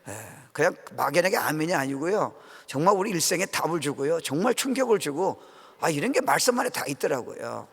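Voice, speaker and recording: A man preaches in a big reverberant church space. His voice sits fairly high for a male and carries a heavy gravelly creak. He talks to the congregation informally but earnestly, as a pastor sharing testimony and posing questions. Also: sing-song, fairly quick, fairly bright tone. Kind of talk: conversational revival sermon with personal testimony. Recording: reverberant church hall sound.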